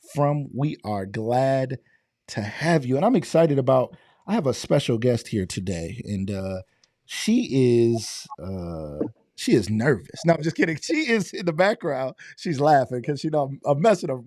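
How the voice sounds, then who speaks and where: A middle-aged man hosting a live online show, slightly hoarse from losing his voice, talking in an upbeat, chatty way and greeting viewers by name. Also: medium pitch, dark tone, no echo, clean studio sound. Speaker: host.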